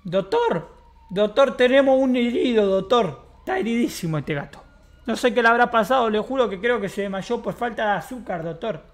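A man with an Argentine accent, streaming in-character game role-play. His voice sits high, and his talk is brash, mocking and swaggering. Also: moderate pace. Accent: Argentine Spanish.

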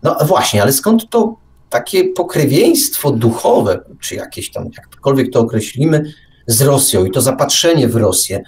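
A radio show host muses discursively in a casual live talk, a reflective monologue full of repetition, rephrasing and rhetorical questions. His medium-pitched, darkish voice is very animated at a moderate pace, picked up by a distant mic.

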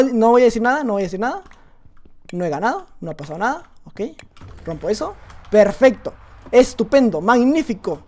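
Excitable Mexican gamer man. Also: very high-pitched. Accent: Mexican Spanish. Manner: excitable, joking, rambling asides to viewers. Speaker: gaming YouTuber. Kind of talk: live gameplay commentary.

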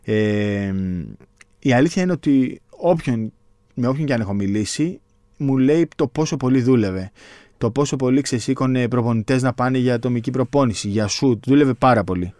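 A man's voice: mid-range voice, darkish tone, no room sound, studio quality. Hesitant Greek-speaking sports journalist, man. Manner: hesitant, many fillers and restarts. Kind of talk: casual sports podcast chat.

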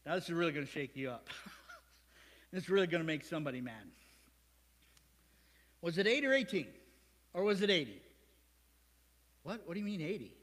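A man with an American Midwest accent, preaching a sermon as pastor, animated and joking with his congregation. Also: on the high side, moderate pace, long pauses, big-room sound. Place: church sanctuary.

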